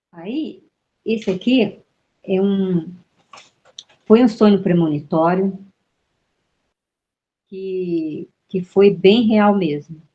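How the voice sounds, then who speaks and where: Middle-aged Brazilian woman, interview guest, lively storyteller, mellow tone, muffled lo-fi sound. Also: medium pitch. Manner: vivid storytelling, acts out quoted voices, repeats words.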